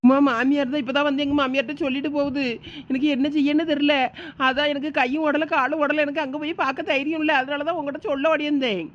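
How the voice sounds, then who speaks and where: Woman doing a scared teary young daughter-in-law, breathless, talk, high voice, dull lo-fi audio. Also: steady tone, fast, close to an everyday voice. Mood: pleading. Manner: breathless pleading.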